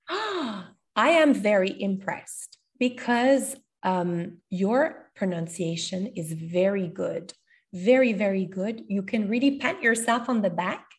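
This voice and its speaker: A woman's voice: mid-range voice, takes it slowly. A woman from Canada with a Quebec French accent, hosting a casual interview with effusive enthusiasm over a video call. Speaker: podcast host and language school representative.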